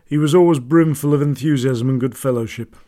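An actor voicing a formal, stern Edwardian naval explorer, reading old letters in a measured way. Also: male voice, medium pitch, mellow, close to an everyday voice. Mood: admiring. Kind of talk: dramatised quotation reading.

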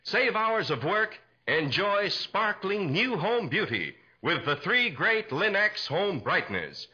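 A man's voice: high voice, sing-song, takes it slowly, sharp tone. An American man announcing and narrating a 1940s radio show with emphatic, dramatic salesmanship. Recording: muffled 1940s radio recording.

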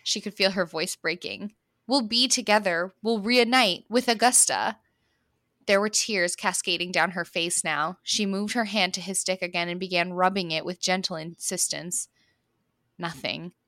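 A woman's voice: lowish voice, fairly even intonation, normal speed, pushed and bright, no room sound, studio quality. A woman hosting a comedy podcast, reading her own racy story aloud and breaking into giggles.

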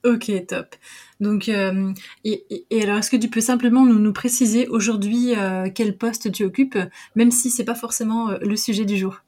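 A woman's voice: mid-range voice, steady tone, moderate pace, warm tone. A woman in her thirties hosting an interview podcast, upbeat and friendly as she introduces and questions her guest. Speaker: podcast host, interior designer. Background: faint music under intro.

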